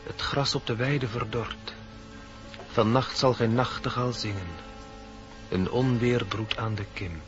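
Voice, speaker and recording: A man's voice: medium pitch, steady tone, measured pace, pauses often, a bit bright, faint music behind, natural voice. A man voicing a wise, solemn deer in a radio play, speaking in cryptic, poetic incantations. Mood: solemn, foreboding. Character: wise, solemn male deer, oracle of old dreams. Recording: dull vintage radio recording.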